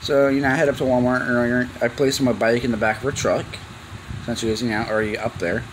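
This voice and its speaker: A man's voice: mid-range voice, flat delivery, quick pace, a little hiss or hum, low-quality recording. A young man telling a story to camera in a casual, rambling, slangy way, acting out the exchanges as he goes. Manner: slangy, informal, acts out quoted exchanges. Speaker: vlogger. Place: cluttered garage, indoors.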